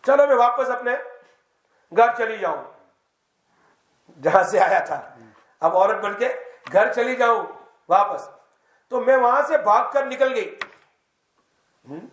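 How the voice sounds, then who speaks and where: A very high-pitched man gives a mosque lesson, acting out the story in the first person. He keeps stopping to quiz his listeners. The sound rings around an echoey mosque hall. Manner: lively storytelling, quizzes the audience; tells the tale in the first person. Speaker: Islamic teacher.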